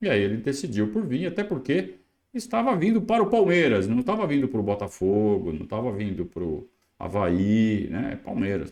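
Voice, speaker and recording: The pace is fairly quick. Pitch swings very widely throughout. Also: man, medium pitch for a man. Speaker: football YouTuber reacting to press conference. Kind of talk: reaction commentary.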